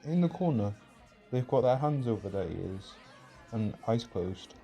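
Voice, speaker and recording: A man playing an easygoing friend at a party in a roleplay audio, chatting in a relaxed, friendly way. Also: mid-range voice, measured pace, vocal fry, soft background music. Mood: casual, curious. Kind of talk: casual chat in a roleplay audio.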